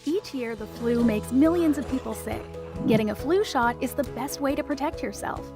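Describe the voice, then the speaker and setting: A woman reading a public service announcement in an earnest, measured way. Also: high voice, music in the background.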